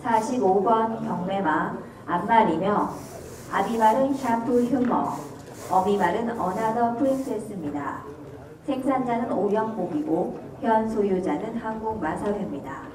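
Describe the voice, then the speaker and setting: A woman's voice: medium pitch, lively intonation, measured pace. A woman announcer formally reading out scripted lot details at an auction. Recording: echoey venue, distant mic, crowd behind.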